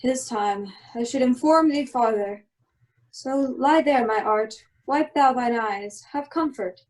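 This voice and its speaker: A woman playing a commanding exiled magician and protective father, giving a measured, solemn reading of Shakespearean verse for an amateur radio play. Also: a little high, a little mellow, low-quality recording. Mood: soothing, solemn.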